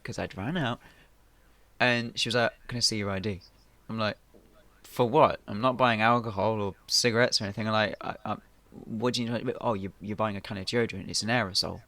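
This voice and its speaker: A man's voice: lowish voice, gravelly, sharp tone, dry recording. A young man with a British accent, hosting a casual podcast chat and telling stories with incredulous animation. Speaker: podcast host.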